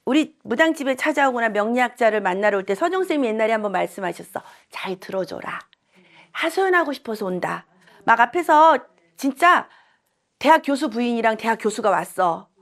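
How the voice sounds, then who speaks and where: Woman, middle-aged, fairly high voice, chatty lecture, acts out the voices in her stories. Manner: chatty, animated storytelling, acts out quoted voices. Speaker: shaman and saju teacher. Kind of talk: casual lecture with anecdotes.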